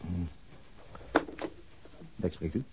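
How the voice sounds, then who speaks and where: An actor playing a hesitant, rueful middle-aged police chief inspector in a naturalistic radio drama, halting and stammering as he talks. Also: heavy background noise. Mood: rueful, chatty.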